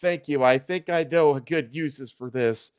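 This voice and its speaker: A man's voice: on the high side, a little slow, clean tone, no echo, close to an everyday voice. Man voicing a swaggering, smug heroic cartoon cat. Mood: smug, seductive.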